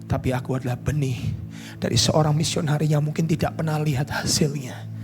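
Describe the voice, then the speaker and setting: A man with an Indonesian accent preaching a sermon as pastor, telling a story that swings between hushed lines and shouted climaxes. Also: fairly high pitch, steady tone, fairly quick, over music. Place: church stage at a pastors' conference.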